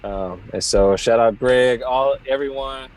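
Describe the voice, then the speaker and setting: A man's voice: mid-range voice, a little slow, a little mellow. A man, a worship musician, talking earnestly in an interview with many restarts. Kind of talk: casual interview.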